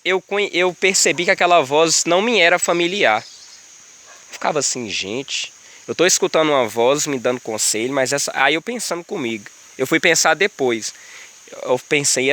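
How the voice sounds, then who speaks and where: A man's voice: a little high, sharp tone. A man, outdoors by a river in a rural area, earnestly telling viewers about a spiritual experience in casual, repetitive speech. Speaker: vlogger sharing a spiritual experience. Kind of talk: casual spoken testimony. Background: insects and crickets, running water.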